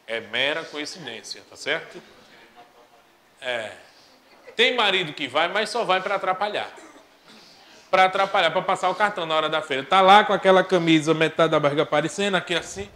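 A male Portuguese teacher giving a lively, joking grammar lesson that poses questions and then answers them. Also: high-pitched. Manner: animated, joking, asks himself questions.

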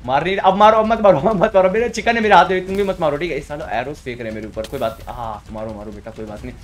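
A man giving live commentary while playing a game, excitable and repeating his words in quick bursts. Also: fairly high pitch, crowd noise. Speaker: gamer streamer.

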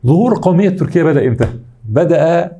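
A man's voice: on the high side, animated, racing, warm tone, breathy edge. A middle-aged man with an Egyptian accent giving an academic lecture, explaining step by step and answering his own questions. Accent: Egyptian Arabic.

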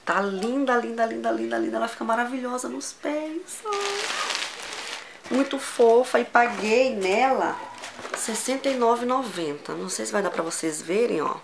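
A Brazilian woman vlogging a casual shopping haul, gushing and excitable, repeating words as she shows each item. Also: fairly high pitch, normal speed, gravelly, noisy background. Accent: Brazilian Portuguese. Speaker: fashion vlogger.

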